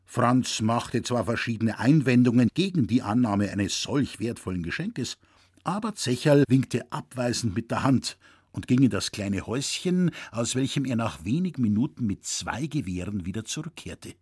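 Male narrator reading a novel, measured pacing, husky voice, dry close sound. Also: medium pitch, expressive, darkish tone, no room sound. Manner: measured, storytelling delivery. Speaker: audiobook narrator.

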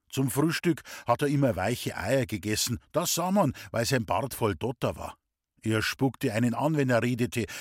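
A man reading a humorous story aloud in the first person, with a lively, cheeky telling. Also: mid-range voice, slightly rough, dry recording, studio quality. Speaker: audiobook reader.

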